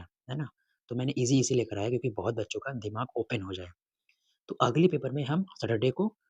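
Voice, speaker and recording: Husky-voiced male exam tutor. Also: mid-range voice, a little mellow, dry recording. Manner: repeats questions and answers, asks students rhetorically. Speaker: exam prep teacher. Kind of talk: casual Hinglish exam lesson.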